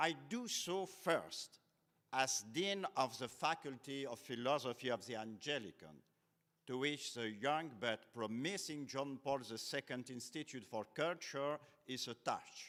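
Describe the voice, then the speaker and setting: Speaking at a fairly slow pace with a French accent, a man uses lively intonation at a medium pitch. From France. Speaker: university dean introducing a lecture. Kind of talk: formal lecture introduction. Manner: formal.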